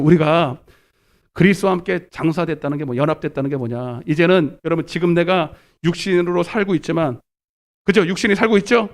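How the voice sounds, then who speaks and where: A middle-aged male pastor giving a live sermon in a church, calling the congregation to repeat after him and swinging from shouts to murmurs. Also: high voice. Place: church sanctuary.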